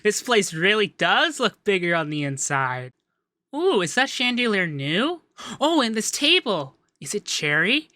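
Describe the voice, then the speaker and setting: Man acting a bright-voiced, coy, effeminate young accountant. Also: high voice, big pitch swings, measured pace, no room sound, studio quality, exaggerated voice. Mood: teasing, probing. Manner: coy, teasing, lilting, hesitant in places. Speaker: ASMR voice actor. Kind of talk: ASMR roleplay.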